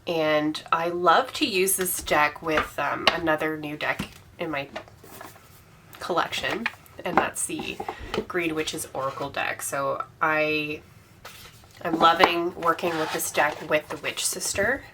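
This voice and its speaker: A woman's voice: low voice, steady tone, slow, very noisy. A woman with a cold and a congested, slightly sore voice, chatting enthusiastically as host of her own vlog with frequent ums. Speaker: tarot channel host. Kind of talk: casual monthly wrap-up vlog.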